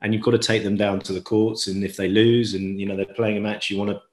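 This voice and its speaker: A man in his forties talking reflectively and haltingly as an interview guest, repeating phrases for emphasis. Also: lowish voice, little pitch movement. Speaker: interview guest, squash coach. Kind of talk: conversational interview. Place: indoor room at home, on a video call. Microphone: video call. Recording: roomy, echoey video call.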